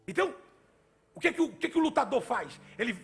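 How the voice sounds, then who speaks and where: High-voiced fervent preacher man, gravelly. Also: big pitch swings, fast, soft background music. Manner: fervent sing-song preaching. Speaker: pastor. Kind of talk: sermon. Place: church service.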